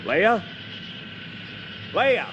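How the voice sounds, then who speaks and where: A man's voice: sits high, extremely slow, dull audio, background noise, heavily acted. A man playing a brash, fretful smuggler captain and protective husband, exasperated and stammering at times. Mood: worried, protective. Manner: hesitant stammers, exasperated, animated.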